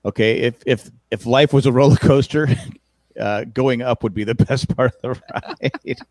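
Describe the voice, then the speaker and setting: This medium-pitched man speaks at a normal pace with a darkish tone and no room sound. A podcast co-host in his fifties, he wanders through a relaxed conversation, correcting himself and making dry remarks about age.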